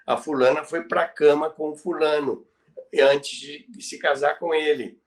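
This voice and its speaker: A man's voice: on the high side, steady tone, unhurried. A man with a Brazilian accent telling radio history in conversation, emphatic and repeating phrases for effect. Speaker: guest recounting radio history. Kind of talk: conversational storytelling.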